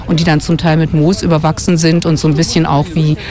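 A woman's voice: low-pitched, level tone, fast talker, dark tone. A woman from West Berlin, a radio journalist and travel guide author, explaining fluently and thoughtfully in a radio interview on a forest walk. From West Berlin, Germany. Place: outdoors on a winter forest walk.

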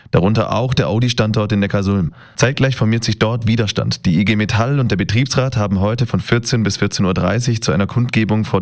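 A man delivering a radio news report in a steady, matter-of-fact way. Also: lowish voice.

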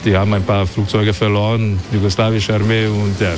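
A man with a Slovenian accent, a native Slovene speaker, giving a spontaneous guided tour in simple, halting non-native phrases. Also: on the low side, flat delivery, background noise. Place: outdoor city market.

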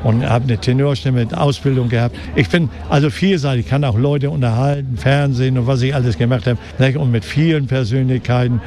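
A man's voice: medium pitch, brisk, few pauses, warm tone. Old guy, 80s, market fish seller, talks like a showman, keeps tacking on "ne", outdoors at a market. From Hamburg, Germany. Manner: chatty showman, tag questions like "ne". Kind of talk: casual interview.

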